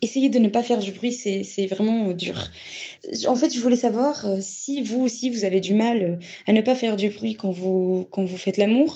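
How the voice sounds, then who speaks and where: A woman talks in an ordinary speaking voice at a fairly slow pace. Her pitch sits fairly high and varies in an ordinary way. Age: 20s. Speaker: student. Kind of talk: voice message. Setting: phone call.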